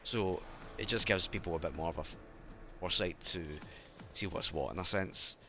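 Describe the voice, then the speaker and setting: Deep-voiced gaming guy with a wrecked sore throat, rambling and self-correcting over loud game music. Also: normal speed. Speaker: gaming channel host. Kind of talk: casual gameplay commentary. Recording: game music playing behind.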